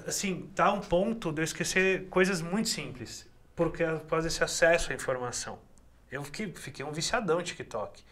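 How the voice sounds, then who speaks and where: Podcast host guy, chatty and fast, a bit higher voice. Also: fairly bright tone. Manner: chatty, self-referential. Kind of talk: casual podcast interview.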